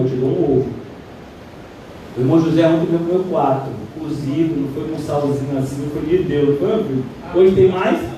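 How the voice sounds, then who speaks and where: A man with a Brazilian Portuguese accent preaching a lively, conversational sermon as a pastor, often mimicking other voices. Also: high voice, slight background noise. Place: church hall. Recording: distant, very echoey church hall.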